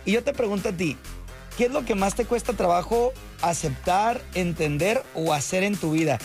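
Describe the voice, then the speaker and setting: A man's voice: high-pitched, normal speed, gravelly, a little mellow, soft background music. A man hosting an evening radio show, chatting casually and chummily with listeners. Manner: chummy, slangy, upbeat. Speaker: radio host. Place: radio studio.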